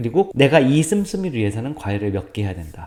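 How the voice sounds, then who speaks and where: His pitch moves through very wide swings. The man's tone is dark and mellow. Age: 40s. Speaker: engineer and YouTuber. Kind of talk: personal vlog monologue.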